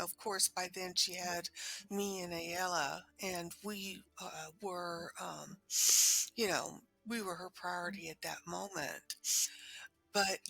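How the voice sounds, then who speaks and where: A woman's voice: lowish voice, gravelly, sharp tone, rough recording. A woman playing a tabletop roleplaying game, telling a story in character in an earnest, hesitant way. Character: warrior woman telling of her mother.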